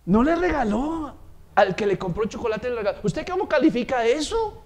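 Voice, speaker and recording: A man preaching a sermon, telling stories and acting out the voices in them, growing loud on his points of praise. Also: extremely high pitch, brisk. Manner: animated storytelling, acts out quoted voices, swells loud on praise. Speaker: pastor.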